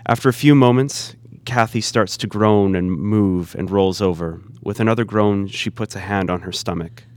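A man's voice: lowish voice, moderate pace, a little mellow, no room sound, clean studio sound. A man giving scripted narration, reading the stage directions of a play.

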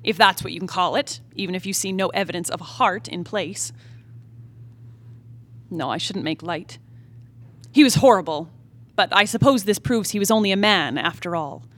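A woman's voice: on the low side, a bit bright, natural voice. Woman acting a brooding young wife, theatrical. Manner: formal literary diction, dramatic pauses. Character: brooding young married woman haunted by her family's past. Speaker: actor. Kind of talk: theatrical play reading, dramatic monologue. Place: theatre stage, live reading.

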